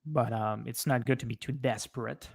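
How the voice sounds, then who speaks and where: A man with a French accent, a native French speaker, chatting casually on a livestream and answering viewers in a halting way, often pausing mid-sentence. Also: medium pitch, fairly even intonation, creaky, breathy edge. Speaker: livestream host.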